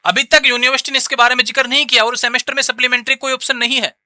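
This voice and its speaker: A man's voice: very high-pitched, little pitch movement, very fast, sharp tone. A man explaining exam rules to students in an informal, repetitive way, often calling listeners brother. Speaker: education channel host.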